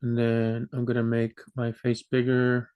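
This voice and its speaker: A man's voice: mid-range voice, monotone, measured pace, clean tone, no echo, narrow, tinny audio. A man from Peru whose first language is Spanish, rambling self-deprecatingly and unscripted in a language vlog recorded at a computer, with many fillers and restarts. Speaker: language vlogger. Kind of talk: unscripted rambling talk to camera.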